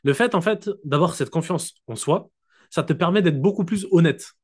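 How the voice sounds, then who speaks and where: A man's voice: a little high, a little mellow, husky. Casual man coaching over a video call. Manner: casual, direct, keeps asking listeners if they follow; slows down to dictate key points. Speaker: network marketing coach. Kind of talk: motivational coaching talk. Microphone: computer mic on a video call.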